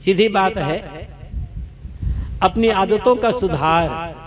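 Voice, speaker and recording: A man's voice: high-pitched, slow, crowd noise. A man giving a devotional sermon to a congregation, stressing each point with repeated short phrases. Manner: emphatic, repetitive lists of short phrases. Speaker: spiritual teacher giving a discourse. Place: religious gathering.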